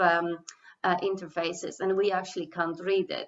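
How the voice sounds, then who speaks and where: Speaking with a non-native accent, this woman's voice stays at a medium pitch. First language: not English. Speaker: social media consultant. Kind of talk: webinar presentation. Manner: halting with frequent fillers.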